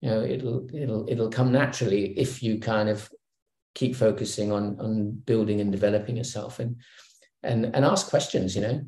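A middle-aged man talks over a video call from a room with plenty of echo. His voice sits fairly low and has a mellow, dark tone. He muses aloud, restarting sentences and filling pauses with "um.". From Hong Kong. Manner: relaxed, reflective, many fillers and restarts. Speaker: guest executive. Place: home room. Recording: roomy video call audio.

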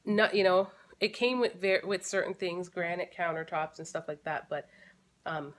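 A woman in her thirties talks casually to a camera set close in front of her at home. Her voice sits a little low, and she thinks aloud as she goes, full of fillers and restarts. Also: steady tone, moderate pace. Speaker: family vlogger. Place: living room at home.

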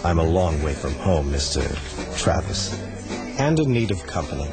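An actor playing a calm, sinister male chief of searchers who hunts fugitives with smooth, unhurried politeness. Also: very deep voice, loud music behind the voice. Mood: menacing politeness. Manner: smooth, unhurried, quietly menacing. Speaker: villain searcher. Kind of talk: 1980s radio drama acting.

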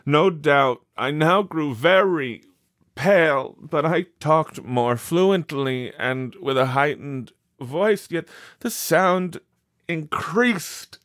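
A man performing a cunning, mad murderer's confession in a dramatic, deliberate reading of gothic horror. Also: on the high side, a bit bright, dry recording, clean studio sound, full character voice. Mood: agitated, frantic. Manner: deliberate, theatrical, intense, with dramatic pauses. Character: mad male murderer confessing, cunning, boastful, increasingly frantic.

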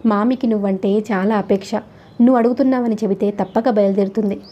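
A woman reading the lines of an earnest, protective young husband in a gentle but firm, low voice. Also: steady tone, quick pace, muffled recording, natural voice.

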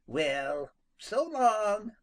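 A sly, grinning skunk who teases in a slow, easy drawl, as a storybook narrator puts him on. His voice is slightly husky and ranges widely in pitch. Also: sing-song, exaggerated voice. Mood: teasing. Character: sly, grinning male skunk, good-natured.

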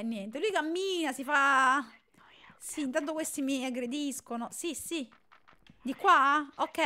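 A young woman streaming herself playing a game, her voice sitting high and ringing bright. She chatters along in casual live commentary, bursting into loud, jokey outbursts whenever things go wrong. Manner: excitable, yells and jokes at the game.

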